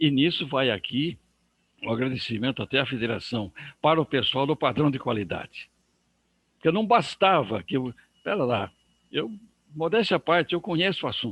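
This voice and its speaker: A man's fairly high voice with very wide pitch swings, at a moderate pace with long, frequent pauses. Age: 80s+. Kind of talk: interview.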